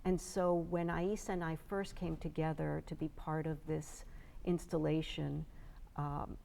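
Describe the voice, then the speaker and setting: Low, gravelly-voiced woman filmmaker. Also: level tone, a little slow, warm tone, a little hiss or hum. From United States. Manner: reflective, with frequent fillers and restarts. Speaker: filmmaker guest. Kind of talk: interview answers.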